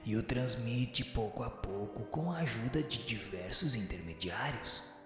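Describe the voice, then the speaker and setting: An actor playing a wise, solemn male spirit who teaches in a formal, measured radio drama manner. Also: medium pitch, animated, lightly acted. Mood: firm, didactic. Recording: reverberant echoing hall, music underneath. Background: music.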